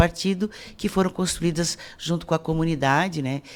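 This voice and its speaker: In a very clean recording with a silent background, a woman with a normal speaking voice talks at a fairly low pitch with ordinary pitch variation. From southern Brazil, Blumenau, Santa Catarina. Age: 60s. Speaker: mayoral candidate. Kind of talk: radio interview. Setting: radio studio.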